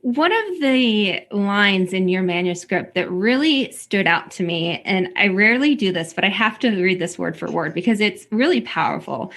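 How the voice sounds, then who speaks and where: Woman host asking questions, mid pitch, plain talk. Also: expressive, normal speed, few pauses, a bit bright. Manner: asks questions, reads a quote aloud. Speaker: podcast host. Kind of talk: podcast interview.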